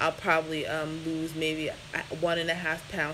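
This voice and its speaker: Over noticeable background noise, a woman talks at a moderate pace in a fairly low pitch. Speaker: vlogger. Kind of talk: casual vlog monologue. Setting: at home, baby sleeping nearby. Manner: hesitant, many fillers; loud.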